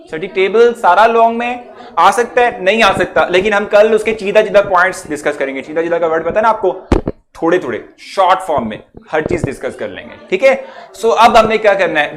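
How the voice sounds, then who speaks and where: Man, high voice, Pakistani Urdu accent, chatty online chemistry teacher, keeps checking in. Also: lively intonation, normal speed, a bit bright, slight background noise. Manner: chatty, coaxing, checks in often with students. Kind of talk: live online class lecture.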